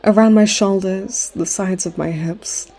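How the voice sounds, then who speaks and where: Smug, mellow-voiced flirty villainess played by a woman. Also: medium pitch, steady tone, unhurried. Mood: flirty, sweet. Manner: teasing, mock-sweet, theatrical taunting. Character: smug flirtatious female supervillain in her late twenties, hospitalized. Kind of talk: comedic audio roleplay acting.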